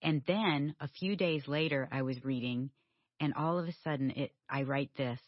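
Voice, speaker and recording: A woman's voice: low-pitched, normal speed, no room sound. A woman author speaking as a guest, thoughtfully recounting a memory from her family life. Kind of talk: reflective conversation. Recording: slightly dull, dry studio sound.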